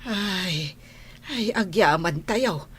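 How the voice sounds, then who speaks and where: A woman voicing a gentle older mother who speaks slowly and softly in an audio drama. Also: medium pitch, lively intonation, husky, full character voice. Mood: calm.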